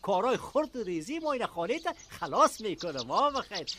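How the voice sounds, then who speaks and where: A man's voice: sits high, big pitch swings, background noise. An actor playing a folksy, good-hearted Afghan village man in a radio drama, effusive and colloquial, full of blessings and pet phrases. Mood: effusive, admiring.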